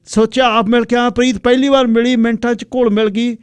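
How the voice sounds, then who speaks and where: A man's voice: very high-pitched, level tone, fairly quick, smooth, no echo, voice pushed up. A man putting on a bold, teasing woman. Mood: warm. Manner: bold, playful, mocking. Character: lively teasing woman, old schoolmate. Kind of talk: storytelling with acted dialogue.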